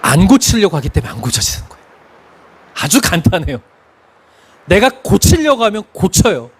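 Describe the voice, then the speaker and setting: A middle-aged pastor from Korea's Chungcheong region preaches in a high, slightly breathy voice at a moderate pace. His sermon is expressive: he sings lines from hymns, tells stories, and laughs as he tells them.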